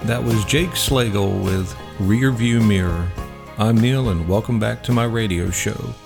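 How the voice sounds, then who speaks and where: A man's voice: on the low side, unhurried, vocal fry, music in the background. A man hosting a radio show, talking casually on his own to listeners.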